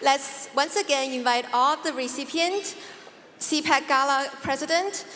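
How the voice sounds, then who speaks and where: A woman emcee making brisk announcements at a gala dinner. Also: high voice, sharp tone, slight background noise. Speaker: master of ceremonies. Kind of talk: event announcements. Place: banquet hall. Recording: long reverb in a large hall.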